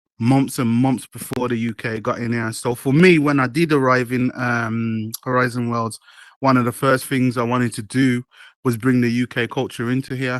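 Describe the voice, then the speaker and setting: A medium-pitched man with monotone, flat intonation, in a dry, close sound with no echo over a quiet background. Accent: British. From UK. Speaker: virtual world builder and event host. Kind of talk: casual interview chat.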